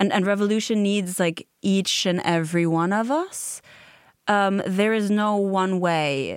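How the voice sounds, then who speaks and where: At a very slow pace, a woman with a medium pitch talks with fairly even intonation in a dry, close sound with no echo. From Germany, mid-sized town. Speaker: writer and performer. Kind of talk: interview conversation.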